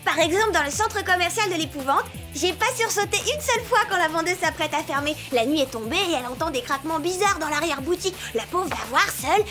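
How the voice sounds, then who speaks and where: Very high-pitched cartoon teen girl. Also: expressive, quick pace, few pauses. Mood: chatty. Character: spirited, cheeky teenage girl spy. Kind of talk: cartoon dubbing. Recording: loud music over the dialogue.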